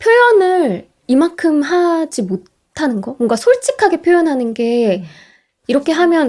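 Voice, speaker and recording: A woman's voice with very wide pitch swings. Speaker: voice actor. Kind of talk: interview answer.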